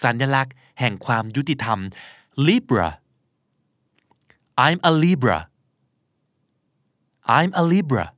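Thai-accented man teaching slow pronunciation. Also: medium pitch, big pitch swings, a bit bright, dry recording, clean studio sound. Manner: slow, spells words letter by letter. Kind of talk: podcast pronunciation lesson.

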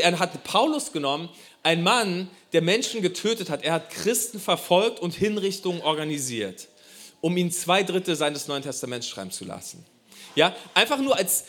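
A man with a fairly high voice delivers a sermon to a congregation. He preaches animatedly and talks directly to his listeners, often asking them questions. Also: fairly bright tone. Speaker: pastor.

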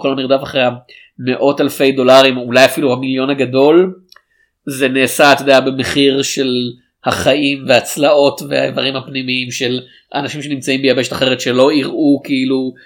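A man chatting casually about a film as a podcast co-host, animated and rambling with restarts. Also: mid-range voice. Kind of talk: casual film review chat.

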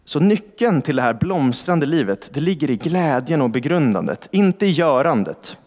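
A male pastor giving a sermon in a church, with a conversational style, asking rhetorical questions and reading scripture slowly. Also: a little high, very animated, a little mellow. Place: large church hall. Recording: long church reverb.

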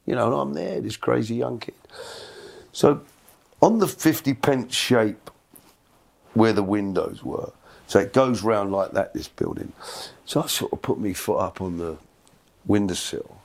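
A man's voice: lowish voice, lively intonation, a little slow, gravelly, long pauses. A middle-aged man, telling a long story in casual conversation, rambling and repeating words as he goes. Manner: rambling, repeats words, acts out voices in quotes. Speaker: guest.

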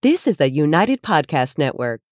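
An announcer reading a scripted show introduction in a measured, formal way. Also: mid-range voice, very animated.

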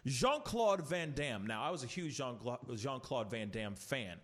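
A man's voice: medium pitch, expressive, a little slow. A man hosting a casual podcast chat, ranting animatedly with rhetorical questions and many restarts. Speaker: podcast host.

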